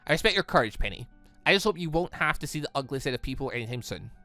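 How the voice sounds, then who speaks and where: Someone voicing a grave, measured military commander. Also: mid-range voice, expressive, bright, forceful tone, faint music behind. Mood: grave, worried.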